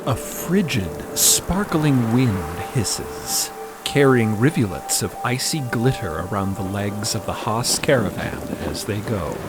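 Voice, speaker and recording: Guy narrating a story podcast, slow and expressive, music loud behind. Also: on the low side. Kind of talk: scripted fiction podcast narration.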